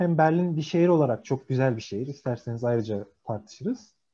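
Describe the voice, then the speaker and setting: With a dark, mellow tone, a man speaks with very wide pitch swings. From Istanbul, Turkey. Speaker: PhD student in physics. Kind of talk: interview.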